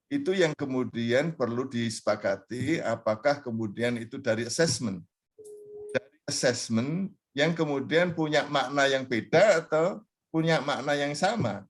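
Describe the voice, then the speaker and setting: A man's voice: mid-range voice, a little slow. A middle-aged man, a university lecturer, explaining terms in a discussion, often repeating phrases and mixing in English words. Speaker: university lecturer, interview guest.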